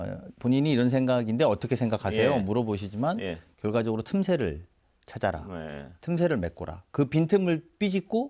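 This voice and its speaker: A man with a medium pitch talks at a fairly quick pace, with very wide pitch swings and big swings in loudness, on a very clean recording with a silent background. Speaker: presidential chief of staff. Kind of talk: interview answer.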